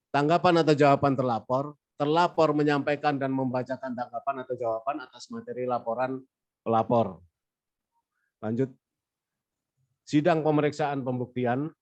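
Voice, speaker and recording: Man with a cold reading legal rules. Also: mid-range voice. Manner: reads formal legal text, says next slide between points. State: has a cold. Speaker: presenter at a weekly election supervisory discussion. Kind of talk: reading procedural slides aloud in a discussion.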